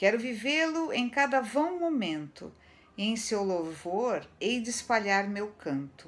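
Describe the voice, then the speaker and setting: At a very slow pace, a woman with a Brazilian accent speaks at a fairly high pitch in a warm tone. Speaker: video channel host reading poetry. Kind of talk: poetry reading, warm and measured, intimate delivery to camera. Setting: home video recording. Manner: friendly, warm, unhurried in the sonnet; chatty, affectionate, conversational around the poem. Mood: warm, enthusiastic. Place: home room. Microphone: phone near.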